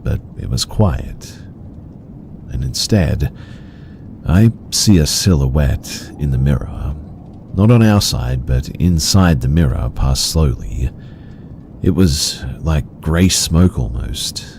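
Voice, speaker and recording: A man narrating first-person horror stories in a slow, measured, somber way. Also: a bass voice, lively intonation, vocal fry, darkish tone, a little hiss or hum.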